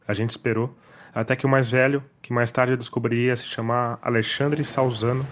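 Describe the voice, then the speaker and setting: A man's voice: medium pitch, flat delivery, moderate pace. A Brazilian man hosting a podcast, reading scripted documentary narration over a music bed.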